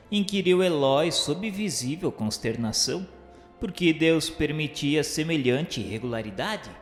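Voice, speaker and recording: A man with a Brazilian accent reads a scripted radio novela narration in a formal, measured, didactic way. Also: medium pitch. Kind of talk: scripted dramatized narration, solemn literary reading. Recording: echoey hall reverb, music underneath. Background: music.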